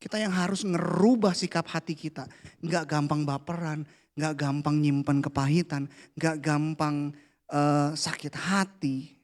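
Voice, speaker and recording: A man, preaching a casual, playful youth sermon that drops to a hush for the prayers. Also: on the high side, fairly even intonation, a little slow. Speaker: youth pastor. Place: church hall.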